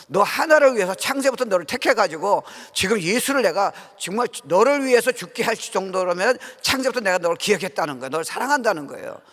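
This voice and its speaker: With a high, somewhat bright voice, a middle-aged guest pastor preaches an informal, earnest revival sermon in a conversational style. He often poses questions to the congregation filling a large church sanctuary, and the audio carries the reverb of a church hall.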